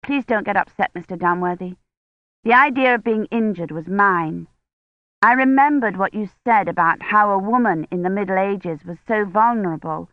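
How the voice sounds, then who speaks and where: A woman's voice: mid-range voice, no echo, pitched above the performer's own voice, lightly acted. A woman reading a novel aloud, voicing an earnest, eager young female historian who reassures those around her. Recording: dry, slightly dull lo-fi recording.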